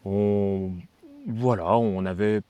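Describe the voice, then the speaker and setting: A man's voice: on the low side, steady tone, slow pace, dark tone, smooth, dry recording, highs cut off. A man with an accent from France, telling personal stories in a casual, conversational way as a vlogger. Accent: French from France. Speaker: vlogger telling a life story with partner. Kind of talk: casual storytelling chat.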